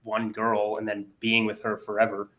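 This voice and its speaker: A man's voice: lowish voice, monotone, moderate pace, a bit bright. A man hosting a podcast, talking through his views in a casual, analytical way with lots of fillers and some teasing. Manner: analytical, ribbing, uses many fillers. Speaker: podcast host. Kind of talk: casual chat.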